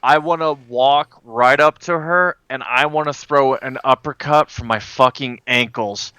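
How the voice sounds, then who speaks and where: A man's voice: medium pitch, measured pace, bright, forceful tone, smooth, no echo. A man playing a tabletop role-playing game, describing his moves in casual, playful table talk.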